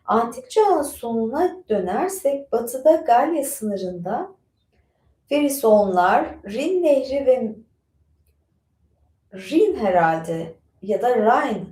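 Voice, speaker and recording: Woman streamer, higher voice, rambling and chatty, in a roomy studio. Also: expressive, slow, darkish tone. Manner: chatty, digressive, many fillers. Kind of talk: casual live-stream chat and reading aloud. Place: home studio with bookshelves.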